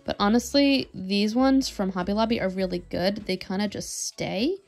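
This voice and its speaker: A young woman with a hoarse, croupy voice from illness, chatting casually and a bit self-deprecatingly while she demonstrates a knitting project step by step. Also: medium pitch, normal speed, a little mellow. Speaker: knitting tutorial host. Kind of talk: casual step-by-step craft demo.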